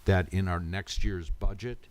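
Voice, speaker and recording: A man speaking as the chair of a public council meeting in a measured, procedural way. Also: low voice, fairly even intonation.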